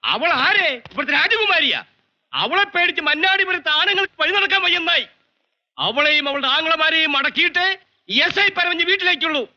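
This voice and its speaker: An actor playing a blustering, scolding police sub-inspector uncle. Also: male voice, very high-pitched, expressive, normal speed, pushed and bright, heavily acted. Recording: dull film soundtrack.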